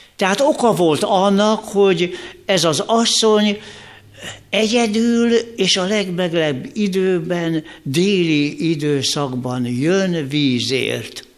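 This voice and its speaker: Very slow speech with lively intonation, audible room echo and noticeable background noise. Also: man, high pitch for a man, very even loudness. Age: 80s+. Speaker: retired pastor. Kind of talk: sermon. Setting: church.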